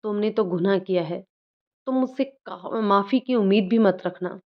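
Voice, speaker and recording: A woman reading a furious shouting husband. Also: mid-range voice, normal speed, lightly acted. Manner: shouting, harsh and commanding. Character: angry grown man, husband turned furious. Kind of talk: storybook reading. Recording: dull lo-fi recording.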